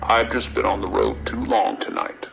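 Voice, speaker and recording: A man playing an eerie, morbidly fascinated trucker in a horror audio drama, savoring each phrase with slow, unhinged calm over a muffled CB radio. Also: lowish voice, vocal fry. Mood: sly, ominous. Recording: muffled CB radio with faint noise.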